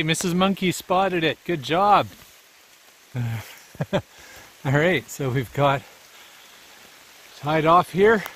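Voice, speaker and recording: The geocaching vlogger, a man in his forties, speaks in a fairly high voice with an upbeat, playful tour-guide style. He films his travel vlog with voice-over narration himself, camera held at arm's length, outdoors at the seaside and along trails.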